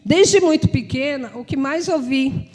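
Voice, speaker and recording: A woman's voice: high voice, measured pace, darkish tone. A woman preacher and psychologist giving a conversational sermon, informal and repetitive, often checking in with her listeners. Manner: informal and repetitive, with frequent tag questions. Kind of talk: conversational sermon to a congregation and online viewers. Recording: long reverb from a large hall.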